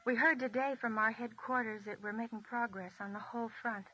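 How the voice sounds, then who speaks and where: An actress playing a young wartime woman who narrates her days in a 1940s radio drama, soft and reflective. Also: fairly high pitch, fairly even intonation, a little fast, soft background music, rough recording. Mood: wistful.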